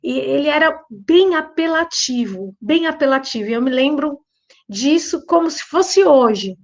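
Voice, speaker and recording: A middle-aged Brazilian woman giving a talk, telling a story with lively repetition and quoted dialogue. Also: high-pitched, a little slow. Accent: Brazilian Portuguese. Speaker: lecturer and behavioral trainer.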